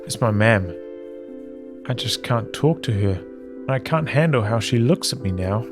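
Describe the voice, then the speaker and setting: A man's voice: lowish voice, expressive, unhurried, music in the background. A man reading the part of a weary young student troubled by family in a visual novel. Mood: weary, conflicted.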